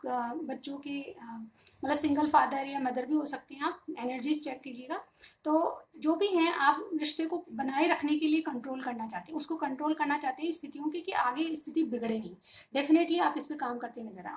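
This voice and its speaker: Casting note: woman, high voice, relaxed tarot-reader monologue, faint hiss behind. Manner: chatty, reassuring, many fillers, mixes English terms into Hindi. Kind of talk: casual tarot reading monologue.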